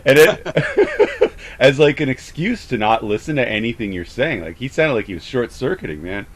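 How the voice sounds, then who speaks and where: A man's voice: medium pitch, wildly swooping pitch, normal speed. A man chatting casually, rambling with frequent stammers and false starts. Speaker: host of a call debrief. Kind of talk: casual chat.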